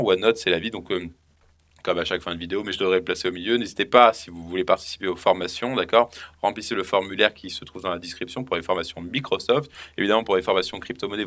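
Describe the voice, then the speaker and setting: A man giving a casual, rambling software tutorial, thinking aloud with lots of fillers. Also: low-pitched. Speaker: software trainer. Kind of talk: casual screen-recorded tutorial.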